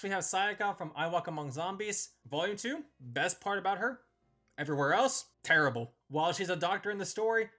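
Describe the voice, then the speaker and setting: A man with a fairly high voice delivers scripted review commentary as a video host. His intonation is very lively, swinging up and down as he gives his verdicts. Faint music plays behind him. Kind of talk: scripted commentary ranking characters in a tier list.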